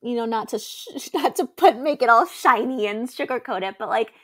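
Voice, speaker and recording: A woman's voice: fairly high pitch, normal speed. A young woman co-hosting a podcast, talking in a chatty, reassuring way with lots of fillers. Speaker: podcast co-host. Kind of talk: casual chat.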